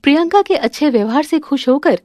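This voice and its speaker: A woman narrating a family cartoon story in a plain, even storytelling manner. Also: high voice, a little fast, no room sound, studio quality.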